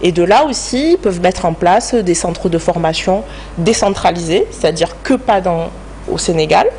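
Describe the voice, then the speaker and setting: A woman's voice: fairly low pitch, lively intonation, moderate pace, darkish tone, a little hiss or hum. A woman from France with a French accent, answering as an expert guest in a studio interview in a structured, explanatory way. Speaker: guest expert, human resources director.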